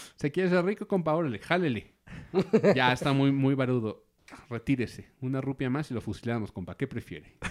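Man with a Mexican accent, fairly quick and with lively intonation. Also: medium pitch for a man. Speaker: gaming podcast host. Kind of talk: casual chat. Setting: studio. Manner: stutters.

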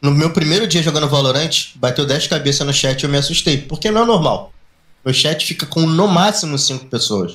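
This man has an unremarkable speaking voice, fairly high in pitch, with ordinary pitch variation, very even loudness and a moderate pace. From Rio de Janeiro, Brazil. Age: 30s. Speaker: Twitch streamer. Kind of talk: casual chat.

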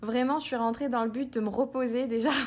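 Her pitch high, a woman speaks with monotone, flat intonation. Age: 20s. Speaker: naturopath, former flight attendant. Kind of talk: interview testimony.

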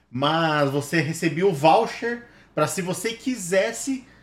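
A high-pitched man's voice with a São Paulo accent. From São Paulo state, Franco da Rocha area. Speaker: gaming group member. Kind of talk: casual chat.

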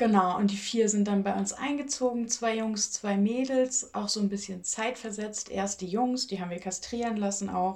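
In an ordinary speaking voice, a woman talks with a fairly high pitch and fairly even intonation. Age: 30s. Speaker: YouTuber and rabbit keeper. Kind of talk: interview.

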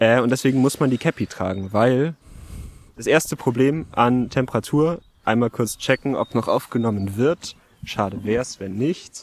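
A man talks in an unremarkable speaking voice at medium pitch. The sound is dry and close, with no echo. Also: ordinary pitch variation, moderate pace. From Bavaria, Germany. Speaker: podcast co-host. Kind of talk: casual chat. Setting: outdoors at a lake beach.

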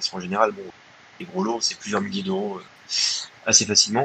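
Over noticeable background noise, a man talks very fast with fairly even intonation. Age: 20s. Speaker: card collector. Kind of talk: casual chat.

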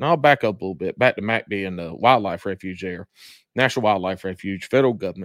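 A man with a Southern US accent speaks with ordinary pitch variation. The sound is dry and close with no echo, in a very clean recording with a silent background. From South Carolina. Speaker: podcast host. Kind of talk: casual chat. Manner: profane, conversational.

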